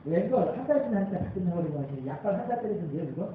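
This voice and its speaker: A man preaching a sermon as pastor, telling a personal story with animated delivery and emphatic calls to the congregation. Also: sits high, very fast, slight background noise. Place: church sanctuary. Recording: tinny, very echoey hall, voice from far off.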